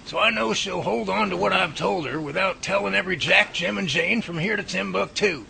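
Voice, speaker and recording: A man playing an earnest, guarded professor in a radio drama, with a folksy, deliberate delivery. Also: high voice, gravelly, a crowd in the background. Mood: reassuring. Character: earnest, guarded male professor researching Bigfoot. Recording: faint background noise.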